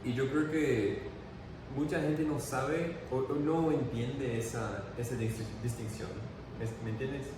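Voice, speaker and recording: A man hosting a casual interview, thinking out loud in a slow, hesitant way with frequent fillers. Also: mid-range voice. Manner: thoughtful, hesitant, many fillers. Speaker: interview host. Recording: roomy, distant mic with clear background noise.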